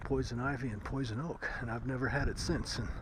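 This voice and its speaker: A man talks casually and unhurriedly in a medium-pitched voice, as if thinking aloud. Very loud ambient noise runs through the recording. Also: fairly even intonation, a little fast. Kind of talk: casual personal monologue.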